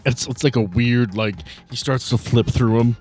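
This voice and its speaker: A man's voice: medium pitch, fairly even intonation, moderate pace, a little mellow, faint music behind. A man acting as game master, improvising narration and chatting casually in a tabletop role-play.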